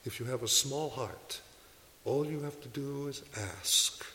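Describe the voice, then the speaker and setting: A man's voice: medium pitch, a little slow, pushed and bright, big-room sound, slight background noise. A man, a Catholic priest, giving an earnest sermon, exhorting his listeners and asking them rhetorical questions. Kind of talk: sermon to a congregation.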